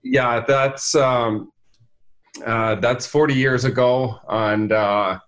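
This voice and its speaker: A middle-aged man from Finland speaks English with a Finnish accent. He is a guest on a business chat show, and he talks in a halting way full of fillers and restarts. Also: mid-range voice, fairly even intonation, a bit bright. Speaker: company founder, guest. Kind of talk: casual interview talk.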